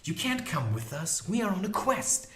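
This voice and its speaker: A man's voice: high voice, very animated, moderate pace, a bit bright, echoey room, voice pushed up. A man voicing a proud, insecure magician in a fantasy storybook, earnest and easily indignant. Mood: cold, stern. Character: proud, insecure male magician, excitable and jealous.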